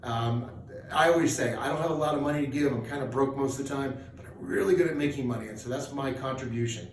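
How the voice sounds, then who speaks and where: A man's voice: mid-range voice, quick pace. A middle-aged man from New Mexico, talking in a folksy, conversational way as he introduces himself. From southeast New Mexico, United States. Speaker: singer and charity auctioneer. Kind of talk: personal video introduction, casual monologue. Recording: roomy, distant mic with hiss.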